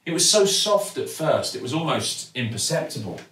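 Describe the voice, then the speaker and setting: A man's voice: medium pitch, sing-song, normal speed, sharp tone. A middle-aged man reads a children's story with an actor's expression. He sits a little back from the mic in a roomy-sounding space. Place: living room at home, indoors. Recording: roomy, slightly distant mic.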